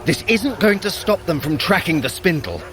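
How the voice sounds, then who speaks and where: A scheming trickster god in an audio drama. He is sardonic and flamboyant, speaking in ornate formal phrases with a highish voice that leaps around freely. Faint action effects sit behind him. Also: lively intonation, moderate pace, a bit bright, slight background noise. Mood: wry. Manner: wry, sardonic, flamboyant, elaborate formal wording. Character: sly, theatrical Norse trickster god, wry schemer. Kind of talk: dramatic audio adventure acting.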